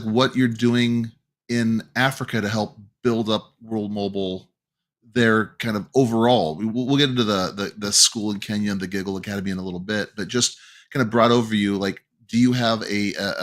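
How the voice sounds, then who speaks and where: A man's voice: lowish voice, a bit bright. A man co-hosting a podcast, asking a long question with frequent stumbles and restarts. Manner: halting, many restarts. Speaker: podcast co-host. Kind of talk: casual interview questions.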